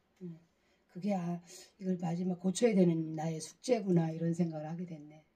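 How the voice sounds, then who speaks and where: A woman with a fairly low, somewhat breathy voice speaks at a moderate pace, her intonation fairly even but her loudness swinging widely. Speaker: fasting practitioner. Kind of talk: casual chat.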